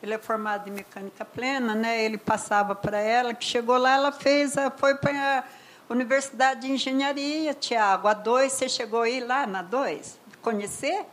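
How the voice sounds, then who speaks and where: An older woman with a Brazilian accent, telling a personal story as a mother in an emotional, conversational way, often trailing off softly. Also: fairly high pitch, fairly even intonation, normal speed, rough recording. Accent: Brazilian Portuguese. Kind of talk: personal testimony.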